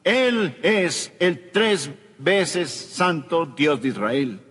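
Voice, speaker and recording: A man preaching a sermon with a high, husky voice that rises and falls dramatically. He moves between emphatic raised lines and hushed passages, and his voice rings out with a long hall reverb. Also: expressive, very slow. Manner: emphatic preaching with wide swings from loud to hushed.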